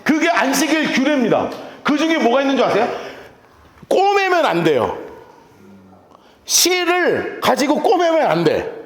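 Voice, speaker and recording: A man preaching a sermon as pastor, playful and animated, acting out little scenes as he teaches. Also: very high-pitched, moderate pace, roomy sound. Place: church.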